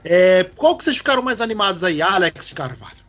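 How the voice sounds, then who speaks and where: A man hosting a casual podcast chat, animated, swearing casually and restarting his words. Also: high-pitched, brisk, lo-fi sound. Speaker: podcast host.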